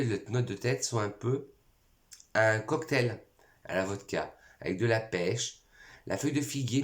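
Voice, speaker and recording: A French man presenting perfume bottles in a casual vlog, a little hoarse from a cold, eagerly listing scent notes one by one. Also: fairly low pitch. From France. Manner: enthusiastic, lists notes one by one. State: has a cold, voice cracking. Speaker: perfume YouTuber.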